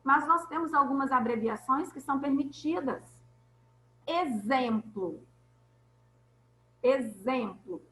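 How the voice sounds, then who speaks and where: A woman's voice: high voice, expressive, slow, long pauses, bright, forceful tone, reverberant, poor audio. A woman teacher giving an online class, explaining step by step and checking in with her students.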